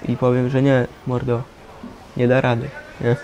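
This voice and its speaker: Young man, medium-pitched, mellow, slangy casual storyteller with tag questions. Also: completely flat delivery, moderate pace. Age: teenager or young adult. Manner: slangy, tags phrases with a questioning filler. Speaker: resident of a youth care centre. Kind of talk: candid casual personal account. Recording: faint background noise.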